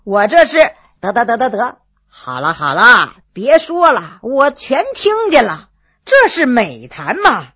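A genial gentleman official, chatting in a relaxed, good-humoured way, as a woman storyteller voices him. The voice is pitched down from the reader's own, with a husky breath in it. He sounds friendly and at ease. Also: a little slow, full character voice. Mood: jovial. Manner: jovial, easy-going. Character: genial male official, cheerful and generous.

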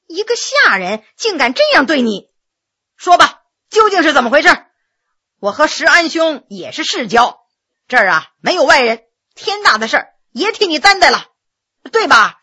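A brash, commanding young nobleman, as a woman storyteller acts him out, quick and blunt, teasing and bossy by turns. Bright and lively in pitch, told as a spoken story. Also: full character voice. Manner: teasing, brusque, fast.

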